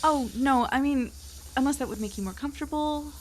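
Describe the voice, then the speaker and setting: Woman playing a high-voiced, inquisitive young-sounding reporter. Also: a little fast, a little hiss or hum, natural voice. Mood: awkward, surprised. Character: polite, inquisitive woman reporter, a slightly awkward newcomer. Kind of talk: audio drama acting.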